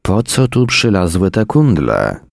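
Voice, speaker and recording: A man voicing a second big grey talking dog that mutters curtly in a low voice. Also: huge pitch swings, measured pace, vocal fry, dry recording, clean studio sound, exaggerated voice.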